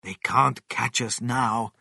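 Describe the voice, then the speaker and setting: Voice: medium pitch, takes it slowly, creaky, pushed and bright, slightly rough, no room sound, studio quality, full character voice. A storybook narrator voicing a clever, commanding father fox with an urgent, emphatic delivery. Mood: confident. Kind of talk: children's storybook character voice.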